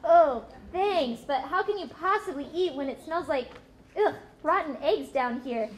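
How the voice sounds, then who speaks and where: Woman as excitable whale puppet, very high chatty voice. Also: a little slow, heavy background noise. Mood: curious. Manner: wide-eyed, chatty and excitable. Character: curious hungry young female sperm whale. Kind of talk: live puppet show.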